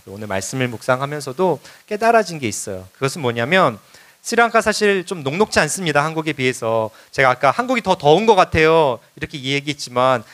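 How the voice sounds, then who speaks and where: A man preaching a Sunday sermon as a visiting missionary, telling his story in a conversational way and rising to loud exhortation. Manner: builds to loud, high-pitched exhortation in the close. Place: church sanctuary.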